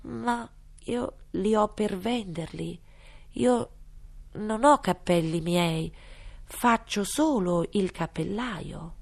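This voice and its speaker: A woman's voice: mid-range voice, slow pace, creaky. A woman voicing a nervous hatter on trial, who stammers and speaks with a trembling voice. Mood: flustered.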